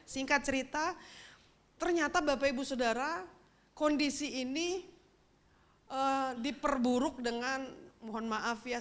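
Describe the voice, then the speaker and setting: A woman's voice: fairly high pitch, a bit bright. A middle-aged woman pastor, giving a sermon as a chatty personal story and speaking straight to the congregation. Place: church.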